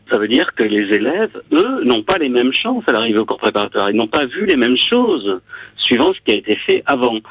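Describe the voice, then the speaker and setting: A man's voice: mid-range voice, fairly bright tone, no echo, rough recording. A man with a French accent from France, his voice electronically altered for anonymity, arguing in a radio interview with hesitations and repeated words. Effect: voice changer, electronically altered voice for anonymity. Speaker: interview guest, school inspector and author.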